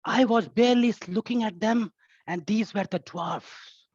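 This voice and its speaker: Dull-sounding, high-voiced woman telling a tale. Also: moderate pace, darkish tone, breathy edge, no echo. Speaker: contestant in a speech contest. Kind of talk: theatrical tall-tale storytelling speech.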